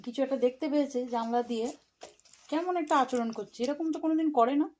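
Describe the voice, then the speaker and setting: A woman's voice: high voice, quick pace, darkish tone. A woman filming at home indoors, talking fondly and coaxingly to her cat in a casual vlog, her voice jumping up when she is alarmed. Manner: fond, coaxing, rising sharply when alarmed. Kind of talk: casual home vlog, baby talk to a pet.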